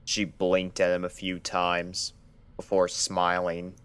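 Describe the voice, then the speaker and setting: Low-voiced male story narrator. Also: completely flat delivery, takes it slowly, fairly bright tone, clean tone, no echo. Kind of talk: scripted fiction narration.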